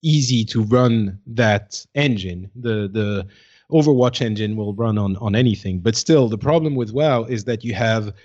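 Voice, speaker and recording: A man co-hosting a casual gaming discussion, explaining his points in a halting, conversational way. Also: on the low side, darkish tone. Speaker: podcast co-host. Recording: slightly dull, lo-fi voice track.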